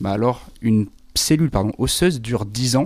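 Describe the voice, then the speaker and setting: A man with an ordinary speaking voice, medium pitch and lively intonation on a very clean recording with a silent background. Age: young. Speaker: civic service volunteer, columnist. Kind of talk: scripted science column. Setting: recording in a care home.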